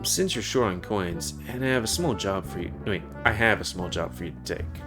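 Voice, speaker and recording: A man's voice: deep voice, normal speed, music in the background, natural voice. A man voicing a confident tavern bartender. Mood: businesslike.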